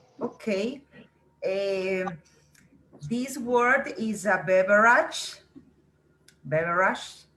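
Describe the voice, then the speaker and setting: With a non-native accent, a woman speaks at a very slow pace with long, frequent pauses, her medium pitch shaped by lively intonation. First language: not English. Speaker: English student. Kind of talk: classroom game. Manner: halting.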